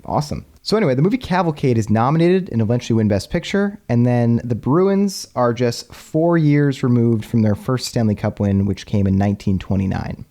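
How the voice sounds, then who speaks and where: A man hosting a casual history podcast, chatty and quick to laugh. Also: mid-range voice, expressive, warm tone. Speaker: podcast host.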